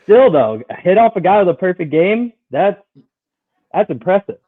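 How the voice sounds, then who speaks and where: A man's voice: high voice, very animated, moderate pace, dry recording. A man co-hosting a sports podcast, a former player joking about his own short career. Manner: jokey, humble-bragging storyteller. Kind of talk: casual podcast chat. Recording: phone-like dry line.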